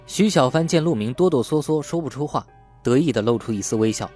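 A man's voice: mid-range voice, expressive, quick pace, darkish tone. A man narrating a crime novel as a scripted audiobook, in a storyteller's delivery. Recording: faint music bed under the voice. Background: faint background music.

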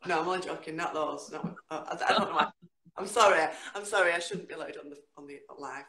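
A middle-aged woman with a Northern English accent, a guest poet who performs her spoken word and chats over a video call from home, with a lively, dramatic delivery. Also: fast talker. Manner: lively, dramatic delivery with sudden jumps in pitch. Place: home room, indoors. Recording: echoey room on a video call.

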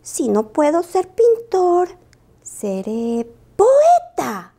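A woman putting on a storybook wolf cub, an eager little boy wolf with a squeaky high voice that jumps all over the place. He chatters excitably, full of big new plans. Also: takes it slowly, exaggerated voice. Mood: hopeful.

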